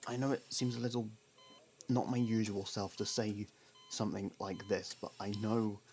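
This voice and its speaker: A man acting a sarcastic, scolding criminal partner who hides his worry, in an ASMR roleplay with halting pauses. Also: on the low side, level tone, darkish tone, slight background noise, close to an everyday voice. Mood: hesitant, gentle. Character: gruff, sarcastic criminal partner, secretly worried.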